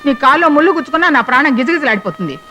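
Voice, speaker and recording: A woman's voice: high voice, expressive, pushed and bright, highs cut off, soft background music. Fiery scolding old grandmother. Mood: reassuring. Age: older. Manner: scolding, mocking, rapid-fire insults. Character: fiery sharp-tongued old grandmother, bossy and devout. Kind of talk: film comedy acting.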